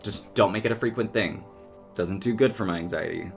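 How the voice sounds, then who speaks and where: A man acting a protective young townsperson in an audio drama, casual and earnest, given to gentle scolding. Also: low voice, brisk, gravelly, soft background music. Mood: earnest, reassuring. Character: protective, exasperated young male cryptid townsperson.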